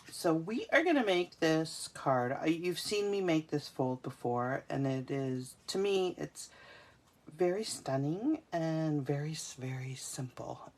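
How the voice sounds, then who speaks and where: A woman hosting a live craft demonstration, talking casually with many fillers and restarts. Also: fairly low pitch. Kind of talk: casual live-stream demo.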